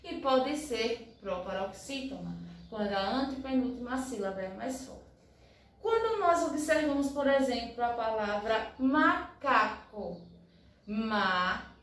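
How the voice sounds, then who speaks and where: A patient woman teacher talks slowly and carefully to young pupils, sounding each syllable apart. Her voice sits a little high and rings around a very echoey room, picked up from some distance. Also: lively intonation. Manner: slow, patient, spells out syllables one by one. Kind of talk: recorded primary-school review lesson.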